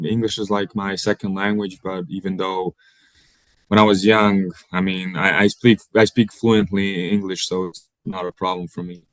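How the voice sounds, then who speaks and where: A young man from Bosnia, Bosnian native, speaking English as a college basketball player in an interview, halting and repeating words as he searches for them. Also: low-pitched, level tone, dry recording, low-quality recording. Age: young adult. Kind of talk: interview answers.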